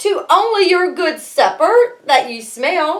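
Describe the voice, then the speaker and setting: A woman performs a put-on character voice at an extremely high pitch. It comes out shaky and at a fairly slow pace. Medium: read story. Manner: fearful, quavering.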